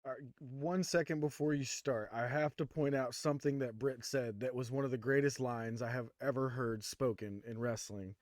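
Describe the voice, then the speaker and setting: A man's voice: medium pitch, steady tone, normal speed, hardly any pauses, a little mellow, no echo. A man co-hosting a podcast, chatting casually and effusively about wrestling, with some swearing. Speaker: podcast co-host.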